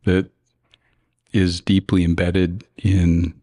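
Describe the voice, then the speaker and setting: An American man in thoughtful casual conversation, affirming others and piecing his sentences together haltingly. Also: sits low, flat delivery, warm tone, no echo, clean studio sound. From United States.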